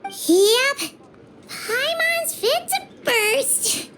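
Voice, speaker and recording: An actress voicing a tiny, excitable, childlike female companion in a video game, squeaky and exclamatory. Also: very slow, slight background noise, full character voice. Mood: gleeful. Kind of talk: cartoonish video game voice acting. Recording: game dialogue over music.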